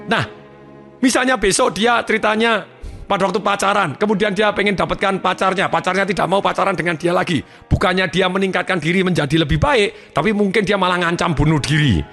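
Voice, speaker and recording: A man delivering a motivational seminar talk in an animated way, speaking straight to his listeners. His voice sits on the higher side. Faint music plays in the background. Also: a little fast, vocal fry. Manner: animated, addressing listeners directly.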